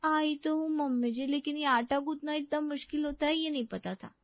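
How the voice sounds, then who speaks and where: This is a careless young bride, voiced by a woman in a cartoon story. She answers innocently with a whiny edge in a high voice. The sound is dry and a little dull. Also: normal speed, no room sound. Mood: naive. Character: careless, naive young daughter-in-law. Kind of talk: Hindi cartoon story voice acting.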